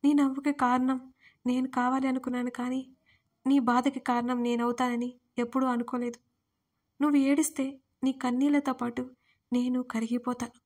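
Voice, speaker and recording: A woman voicing a dying young wife who speaks softly and haltingly in an audio story. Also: high-pitched, little pitch movement. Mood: faint, tender. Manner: soft, faltering, breaking off.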